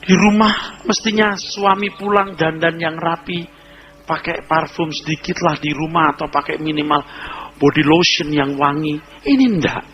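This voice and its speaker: A male pastor preaching a humorous sermon, telling lively stories and acting out little scenes. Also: a little high, a little slow, highs cut off, faint music behind.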